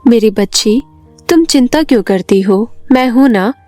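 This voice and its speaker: The loving spirit of a departed mother, voiced by a woman in an animated bedtime story. She speaks calmly and soothingly in a fairly high voice. Gentle music plays faintly beneath. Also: unhurried, dry recording.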